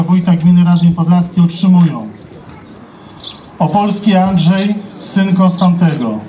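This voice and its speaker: A man's voice: high voice, dark tone. Echoey, distant man announcing formally. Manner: formal reading of lists of names. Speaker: master of ceremonies. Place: outdoor stage at a ceremony. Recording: echoing outdoor PA, distant, faint noise.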